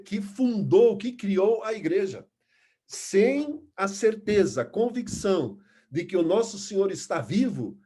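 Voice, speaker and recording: A man's voice: high voice, dark tone, husky. A man teaching a Bible lesson, earnest and emphatic, stopping to restart words and reading scripture aloud. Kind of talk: Bible class lecture.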